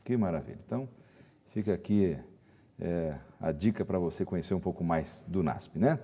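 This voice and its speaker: A Brazilian man hosts a religious talk show with a low, mellow voice. He moves the conversation along in a friendly presenter's way, often agreeing with his guests. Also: normal speed. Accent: Brazilian Portuguese. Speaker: TV Bible program host.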